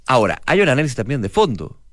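A man's voice: mid-range voice, sing-song, fast talker, dry recording. Chilean male radio co-host, rambling commentary, dry close sound. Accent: Chilean Spanish. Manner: rambling, restarts often, thinks aloud. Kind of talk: morning news commentary.

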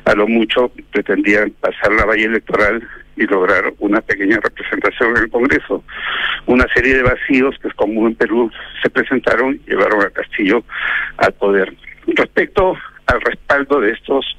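A man's voice: lowish voice, normal speed, sharp tone, no room sound, low-quality recording. A man giving political commentary as a guest in a radio interview, arguing emphatically with ironic asides.

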